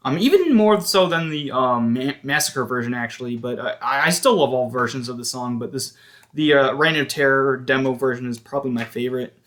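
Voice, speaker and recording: Halting, casual man showing a collection. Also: medium pitch, a bit bright. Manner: halting, hesitant, self-correcting. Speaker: music collector vlogger. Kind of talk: casual show-and-tell commentary.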